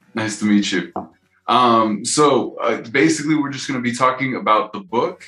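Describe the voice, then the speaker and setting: A man with a bright, sharp tone speaks at a moderate pace and medium pitch, with audible room echo around him. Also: ordinary pitch variation. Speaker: book club moderator and tutoring business owner. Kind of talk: casual chat. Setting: video call. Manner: hesitant, many fillers. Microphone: video call.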